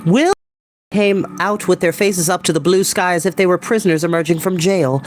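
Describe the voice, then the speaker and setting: An expressive, theatrical storytelling host who reads books aloud and chats casually in between. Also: mid-range voice, normal speed, slight background noise. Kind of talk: animated storybook reading with chatty asides. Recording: background ambient music. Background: ambient music.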